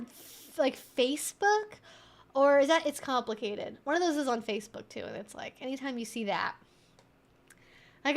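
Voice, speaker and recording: A woman's voice: high-pitched, a bit bright. A woman hosting a casual live Q&A, thinking aloud in a rambling, amused way as she reads things out and reacts. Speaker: livestream host and kink educator.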